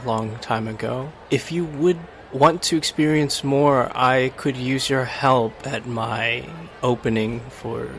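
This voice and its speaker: A man voicing a gentle, earnest dwarven artist with a measured, courteous manner in a tabletop game. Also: medium pitch, steady tone, a little hiss or hum. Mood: serene.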